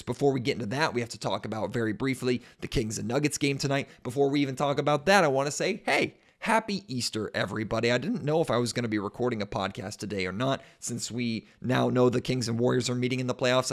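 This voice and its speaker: Hoarse, congested male sports podcast host, mid-pitched, casual and self-deprecating. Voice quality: raspy. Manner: self-mocking, chatty, restarts sentences.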